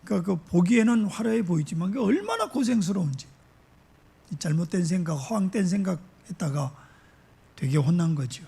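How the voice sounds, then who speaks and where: A male pastor delivering a slow, emphatic sermon to his congregation, asking rhetorical questions. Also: high voice, very animated, vocal fry, dark tone, slightly rough.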